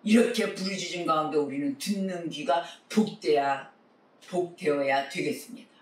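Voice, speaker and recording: Male pastor giving an earnest sermon, highish voice, kinda far from the mic in an echoey church. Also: moderate pace. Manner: earnest preaching, exhorting the congregation.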